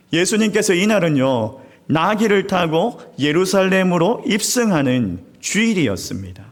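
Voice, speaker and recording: Guy pastor preaching sunday sermon, pretty high voice, dramatic storytelling, keeps talking right to the people in church. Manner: animated storytelling, acting out crowds and weeping; often appeals directly to the congregation. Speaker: senior pastor. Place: church sanctuary.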